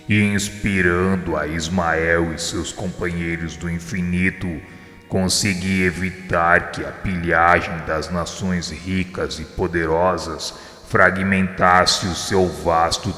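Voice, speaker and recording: Guy doing god-like lord in a religious radio play, solemn n kind, real slow deep voice, formal speech. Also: fairly bright tone. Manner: grave, measured, formal oratory. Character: solemn, benevolent divine Lord addressing his disciple. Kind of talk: religious radio drama acting. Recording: echoey long reverb, music underneath.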